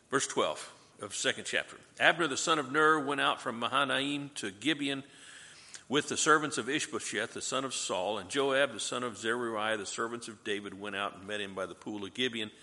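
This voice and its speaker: A man's voice: mid-range voice, pushed and bright, big-room sound. A man teaching a Bible class review. He asks the class questions, answers them himself, and adds light joking asides.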